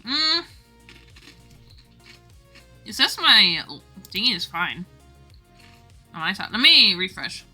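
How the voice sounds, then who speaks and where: A woman streaming casually to her viewers in a giggly, rambling, animated and teasing way as she works on art. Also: medium pitch, slow pace, pauses often, faint music behind. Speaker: streamer drawing game art live. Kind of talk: casual livestream chat with viewers.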